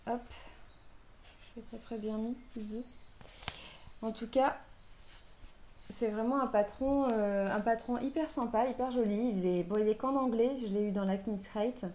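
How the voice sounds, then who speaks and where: A woman's voice: a little high, unhurried, pauses often, mellow, a little hiss or hum. A woman hosting a knitting podcast, talking casually with lots of fillers and restarts. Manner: hesitant, many fillers and restarts. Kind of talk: casual chat.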